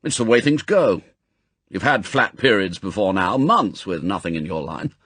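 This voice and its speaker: A man voicing a gruff, impatient elderly spy chief, brusque and authoritative, in an audiobook. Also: fairly low pitch, sing-song, normal speed, fairly bright tone, no echo, full character voice. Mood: angry, exasperated. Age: older. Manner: brusque, authoritative, clipped commands. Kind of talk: audiobook character acting.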